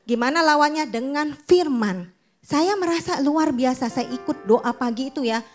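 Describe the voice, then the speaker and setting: Woman pastor, middle-aged, high voice, chatty storytelling testimony, faint music behind. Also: animated, moderate pace. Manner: chatty storytelling, acts out dialogue. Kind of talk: testimony sermon.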